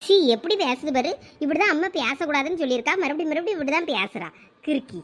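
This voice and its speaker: A woman's voice: high-pitched, expressive, very noisy, voice pushed down. A woman voicing a bossy village mother in a cartoon, scolding her daughters with a Thoothukudi Tamil accent. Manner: sharp scolding, rapid nagging. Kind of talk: cartoon voice acting.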